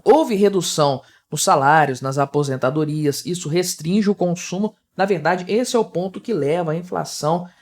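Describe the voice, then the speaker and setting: A man with a Brazilian Portuguese accent giving solo economic commentary in a conversational way, with frequent tag questions, fillers and pitch that jumps up on key words. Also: normal speed, hardly any pauses. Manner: lively, emphatic shifts of pitch on key words.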